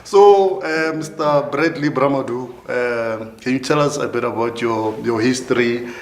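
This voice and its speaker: A man's voice: mid-range voice, normal speed. Man hosting a casual interview. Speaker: talk show host.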